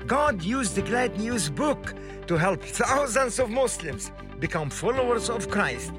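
Fervent high-pitched preaching man. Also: sing-song, unhurried, over music. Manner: fervent, sing-song preaching delivery. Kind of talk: preaching and promoting his book.

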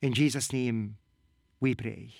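A man from Egypt with an Egyptian accent, preaching and praying on a radio program in an earnest, emphatic, deliberate manner. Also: medium pitch, steady tone, vocal fry, darkish tone, dry recording, studio quality. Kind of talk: radio sermon with prayer.

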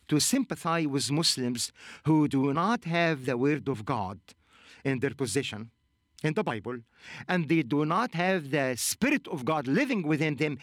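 A man from Egypt with an Egyptian accent, preaching and praying on a radio program in an earnest, emphatic, deliberate manner. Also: fairly high pitch, a bit bright, dry recording, clean studio sound. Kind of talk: radio sermon with prayer.

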